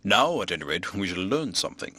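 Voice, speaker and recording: Man playing a bright, fretful gentleman investigator. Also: low voice, very animated, fairly quick, no room sound, voice pushed down, exaggerated voice. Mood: eager, then frustrated. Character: irritable, earnest gentleman investigator, easily rattled.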